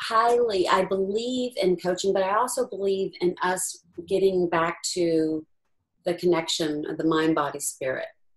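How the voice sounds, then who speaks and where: A woman speaks at a fairly slow pace in a Texan accent. Her pitch sits in the medium range. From Texas. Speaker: intuitive success coach. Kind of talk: webinar presentation.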